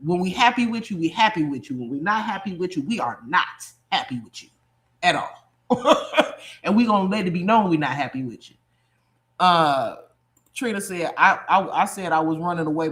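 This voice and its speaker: Thirties woman from Chicago, streamer type, blunt and profane, quick to laugh, very animated. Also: on the low side. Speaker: livestream host reading chat. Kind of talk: casual livestream chat.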